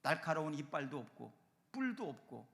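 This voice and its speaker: A man's voice: on the high side, sing-song, moderate pace, gravelly, fairly bright tone, big-room sound. A man preaching a sermon as pastor, earnest, with rising and falling emphasis and rhetorical questions. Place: church sanctuary.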